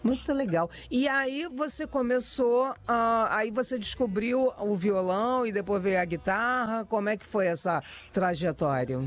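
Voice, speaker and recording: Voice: medium pitch, unhurried, few pauses. Radio host asking friendly questions. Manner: friendly, brief prompting questions.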